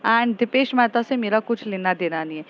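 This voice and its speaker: A woman's voice: medium pitch, a little fast, dull audio, lightly acted. A woman voicing Ragini, a defensive young woman under suspicion who answers in indignant denial.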